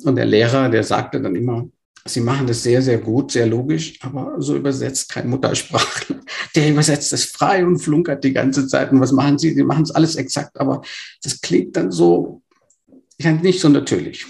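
A man's voice: mid-range voice, normal speed, gravelly, a little mellow. A man in his fifties, born in Burma, telling his life story as an interview guest, hesitant with many fillers and restarts. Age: 50s.

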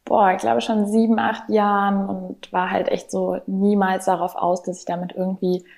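A woman's voice: medium pitch, little pitch movement, normal speed, vocal fry, a little mellow. A woman in her twenties, a content creator, chatting casually and rambling as a podcast guest on a call. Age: 20s. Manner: chatty, rambling with many fillers. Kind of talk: casual interview talk. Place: remote, on a call from home city.

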